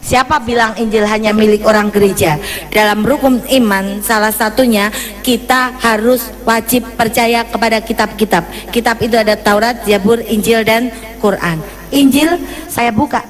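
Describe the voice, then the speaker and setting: A woman preacher telling a story in a sermon, animated and acting out the dialogue. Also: on the high side, moderate pace, big-room sound. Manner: animated, acts out dialogue, mixes in Javanese.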